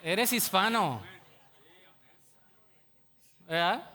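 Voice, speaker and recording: A man preaching a sermon to a congregation, animated and emphatic, questioning the room and raising his voice often. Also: high voice, drawn-out words. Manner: admits to being a shouter. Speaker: pastor. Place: church sanctuary.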